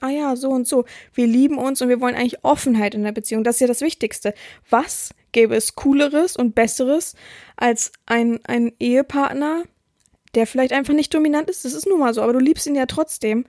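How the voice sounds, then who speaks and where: High-voiced woman chatting on a podcast. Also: a little mellow, no room sound, studio quality. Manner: chatty, acts out quoted dialogue. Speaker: podcast host, dominatrix. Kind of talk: casual podcast monologue.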